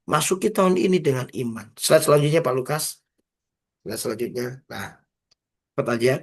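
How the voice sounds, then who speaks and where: Guy preaching on a video call, kinda raspy and husky, slows way down to recite stuff emphatically. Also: medium pitch, expressive. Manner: exhorting, repeats phrases and drops into slow emphatic recitation; addresses listeners by name, casual colloquial asides. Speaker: preacher leading an online prayer meeting. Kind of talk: informal sermon over video call.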